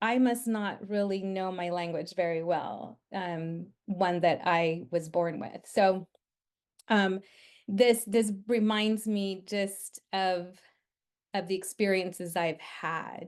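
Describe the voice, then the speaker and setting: A woman with a Californian accent speaks at a very slow pace, her pitch medium and her intonation fairly even. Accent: Californian American English. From California Central Valley. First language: Spanish. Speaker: math education leader. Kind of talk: webinar presentation.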